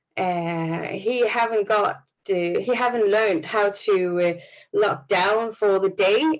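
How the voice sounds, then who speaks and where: A woman with a Danish accent, speaking at a very slow pace. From Denmark. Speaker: network marketing distributor. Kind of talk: testimony. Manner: halting, many fillers.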